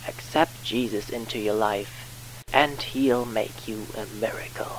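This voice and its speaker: A man voicing a stern, intimidating older evangelical radio pastor in a horror story, preaching slowly. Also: on the low side, pitched below the performer's own voice, close to an everyday voice. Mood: ominous preaching. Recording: heavy static hiss, old radio broadcast.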